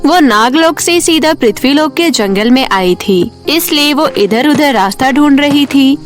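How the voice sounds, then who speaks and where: High-pitched woman storyteller over music. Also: expressive, measured pace. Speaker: story narrator. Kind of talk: scripted Hindi children's story narration.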